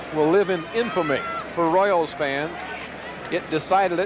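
An excited man speaks at a moderate pace and a high pitch, with ordinary pitch variation, in a dry sound with no echo and noticeable background noise. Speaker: baseball play-by-play announcer. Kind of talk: live baseball commentary; sports commentary. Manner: crisp, excited on home run call.

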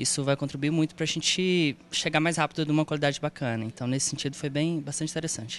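The speaker talks at a very fast pace with hardly any pauses and fairly even intonation. The sound is dry with no echo, over light background noise. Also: man, fairly high pitch for a man. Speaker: teacher. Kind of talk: interview testimonial. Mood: positive, appreciative. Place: street. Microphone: handheld.

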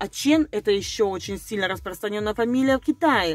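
A woman speaks in an animated tone. The sound is dry, with no echo. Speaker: video blogger. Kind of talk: casual vlog monologue. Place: car. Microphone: phone near.

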